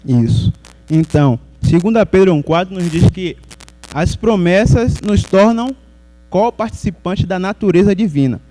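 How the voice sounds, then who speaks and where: High-voiced preacher. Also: male voice, lively intonation, a little slow, warm tone, poor audio. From Salvador, Brazil. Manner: conversational preaching, asking the audience questions. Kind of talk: sermon.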